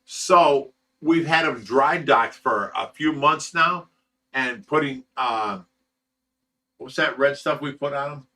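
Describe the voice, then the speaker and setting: Speaking slowly in a sharp, medium-pitched voice, this Ohio man in his sixties runs a laid-back fish rescue livestream. He reads out viewer comments and drifts into long stories, cursing and laughing a lot. He sits far from the mic, and the poor audio carries a little hiss or hum.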